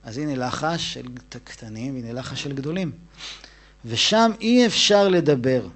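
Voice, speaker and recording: A man giving a Hasidic Torah lesson who talks softly, dropping almost to a whisper and then rising with emphasis. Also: mid-range voice, animated. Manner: soft-spoken, drops to a hush, then rises with emphasis. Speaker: Torah teacher.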